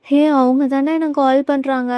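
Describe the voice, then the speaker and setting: A woman's voice: high voice, fairly even intonation, normal speed, no room sound, muffled recording, natural voice. A woman voicing a scared young gambler, pleading. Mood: pleading, tearful. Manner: pleading, tearful. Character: young man, scared debt-ridden gambler brother.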